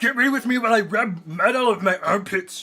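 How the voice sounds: Over music in the background, a man projects a raised, put-on character voice at an extremely high pitch, strained and guttural. He talks at a very fast pace.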